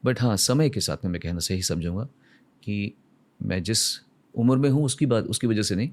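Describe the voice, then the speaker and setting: A middle-aged man from India, talking as a guest in an unhurried, heartfelt way. His pitch sits at an ordinary middle level. He shifts between quiet, inward moments and warmer, fuller stretches as he reflects on his work. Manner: earnest, emotional, mixes English into his speech. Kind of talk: reflective conversational storytelling.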